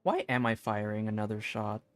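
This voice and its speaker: A man doing casual livestream gameplay commentary, halting as he thinks aloud. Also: fairly low pitch, steady tone. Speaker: game streamer. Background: game music.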